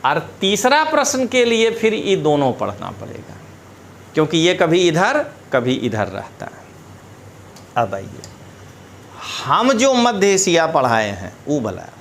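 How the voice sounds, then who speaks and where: A man teaching an exam syllabus lecture, explaining in a lively way and checking in with his students. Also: a little high, a little hiss or hum. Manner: animated, explanatory, addresses students directly with rhetorical checks.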